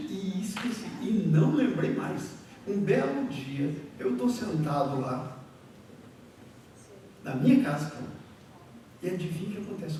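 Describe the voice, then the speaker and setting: A man pastor preaching a sermon, telling a story animatedly, with loud exclamations and then quieter asides. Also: high-pitched. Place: church hall. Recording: far-off mic in a very echoey hall with faint noise.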